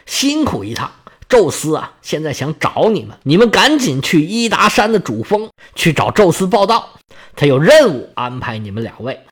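A man voicing a queenly goddess who summons and instructs her messengers in a measured way. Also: fairly high pitch, very animated, husky. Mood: instructing. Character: queenly female goddess giving orders.

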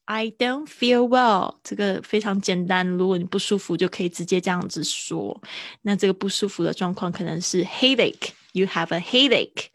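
Low-voiced woman teaching English phrases. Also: no room sound, studio quality. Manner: explains in Chinese, slowly repeats English phrases for drilling. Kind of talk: live-stream language lesson.

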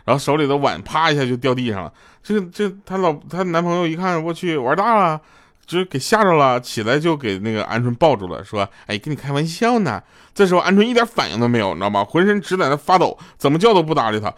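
A man's voice: on the high side, very animated, quick pace, fairly bright tone. A man hosting a comedic radio show, telling jokes in a loose, rambling way and chuckling at his own punchlines. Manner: joking storyteller, chuckles between punchlines; loose, stumbling restarts.

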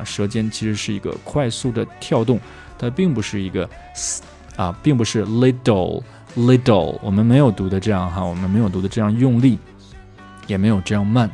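A man explains English pronunciation in a low, mellow voice. He slows right down to repeat each example phrase several times, drilling it. A faint guitar plays underneath. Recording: soft guitar music underneath.

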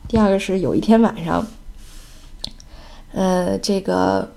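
A woman's voice: mid-range voice, very animated, takes it slowly, dark tone. A woman in her forties from China, a mother chatting casually through family anecdotes, full of fillers with some English mixed in. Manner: chatty, with many fillers and Mandarin-English mixing. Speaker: mother, vlogger. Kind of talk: casual storytelling.

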